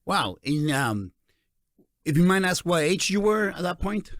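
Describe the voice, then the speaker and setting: A man in his forties with a Peruvian Spanish accent, hosting a casual interview in an animated, encouraging way. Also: high-pitched, unhurried, dry recording, clean studio sound. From Peru. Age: 40s. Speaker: interview host.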